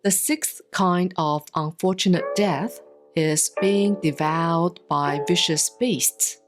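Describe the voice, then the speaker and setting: Over instrumental music, a woman with a lowish voice reads a Buddhist sutra aloud. Her delivery is solemn and scripted, slow and deliberate, broken by long pauses.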